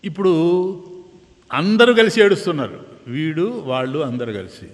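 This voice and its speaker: A middle-aged swami telling a story in a sermon, acting out the voices of its characters. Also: male voice, normal speed. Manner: acts out the story's voices with lively pitch swings. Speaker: swami giving a discourse. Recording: long hall reverb.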